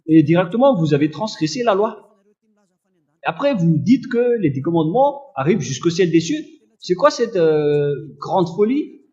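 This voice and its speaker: Male preacher, loud forceful sermon, high voice, very animated intonation, accusatory, scripture reading. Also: moderate pace, dull audio. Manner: accusatory, admonishing.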